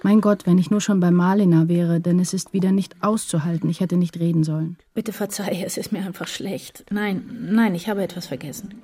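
Anxious woman writer, literary radio drama, intense inner monologue, slightly low voice, mellow tone. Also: fairly even intonation, brisk, few pauses, slightly rough. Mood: pleading, confessing. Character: anxious, brooding woman writer in love, confessing inner thoughts.

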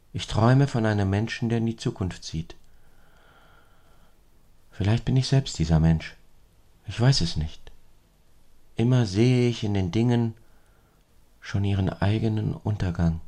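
Mann als nachdenklicher, träumender Liebhaber im Hörspiel. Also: male voice, lowish voice, dark tone, close to an everyday voice. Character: pensive lover dreaming of ruin. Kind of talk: intimate radio drama acting.

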